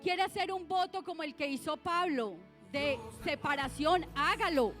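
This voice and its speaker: A middle-aged woman with a Colombian Spanish accent preaches to her church in a high voice. She exhorts the congregation and keeps firing questions at them, with faint music under her. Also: normal speed, fairly bright tone. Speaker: pastor. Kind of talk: sermon.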